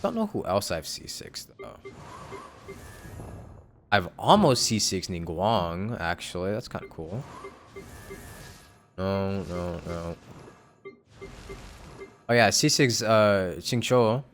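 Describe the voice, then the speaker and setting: Lowish-voiced man streaming a game. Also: sing-song, takes it slowly, long pauses. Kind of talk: casual livestream chat while playing. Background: game music.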